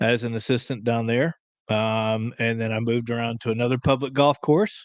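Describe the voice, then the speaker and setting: Speaking with a strong Southern US accent, a man holds a medium pitch and fairly even intonation. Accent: thick Southern US. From US South. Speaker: golf professional. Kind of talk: casual podcast chat.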